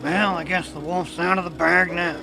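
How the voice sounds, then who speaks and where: A man's voice: high-pitched, steady tone, normal speed, gravelly, music in the background, low-quality recording. A man playing a folksy, word-muddling country man who is secretly a beast, in an audio drama with a Southern American accent. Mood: slyly menacing. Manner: folksy, drawling, muddles words. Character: folksy rural Louisiana man, secretly a man-eating werewolf.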